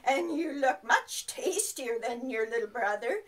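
A woman's voice: high-pitched, expressive, unhurried, a bit bright, far from the mic. A woman voicing a grumpy, greedy bridge troll in a puppet show, with growls and gloating oohs.

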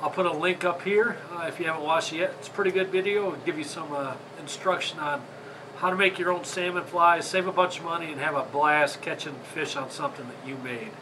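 A man's voice: fairly high pitch, fairly quick, noisy background. A man in his thirties with a Michigan accent and a congested, plugged-up voice, chatting casually as host of a fishing how-to video from an indoor tackle workshop. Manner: chatty, rambling, apologetic. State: congested from a sinus infection.

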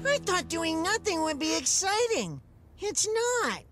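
A sweet, naive little cartoon boy who is easily crestfallen. His voice is very high and expressive, with music playing behind it. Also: a little slow, full character voice. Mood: downcast. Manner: naive, earnest. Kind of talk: cartoon acting.

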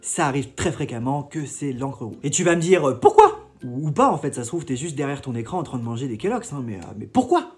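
A man in his thirties chats informally to the camera as a video presenter. His voice sits a little high and sounds husky, blocked-nosed and thick with swollen tonsils, as if a cold is wearing it out. He explains things in a casual, talkative way. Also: darkish tone. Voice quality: congested, nasal head-cold voice with swollen tonsils. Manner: chatty, informal, gesturing while talking. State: sick with a cold and tonsillitis, voice giving out. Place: small home studio room in an outbuilding.

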